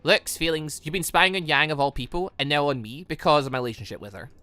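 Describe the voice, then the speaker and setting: A gamer voicing a defiant, sharp-witted teenager in an anime visual novel, indignant and challenging. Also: mid-range voice, fast talker, no room sound, faint music behind, natural voice. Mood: probing, insistent.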